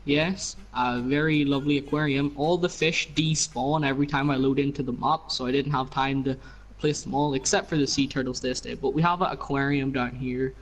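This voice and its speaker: A man's voice: mid-range voice, steady tone, a little fast, low-quality recording. Man rambling through a casual game tour. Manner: rambling, many fillers and "you know". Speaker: player showing his build.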